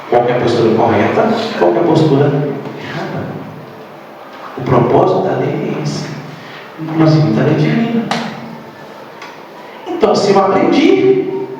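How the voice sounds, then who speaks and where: A man giving a public spiritual lecture at a spiritist center, animated, asking rhetorical questions and repeating key phrases. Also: a little high, a little hiss or hum. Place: meeting hall of a spiritist center. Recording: echoey hall, voice from far off.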